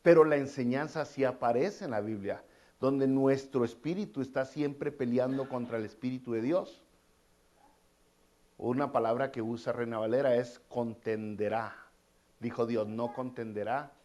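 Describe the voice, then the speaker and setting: A man's voice: medium pitch, unhurried, a little mellow. A male pastor, preaching a sermon in a conversational way, with casual asides and repeated phrases.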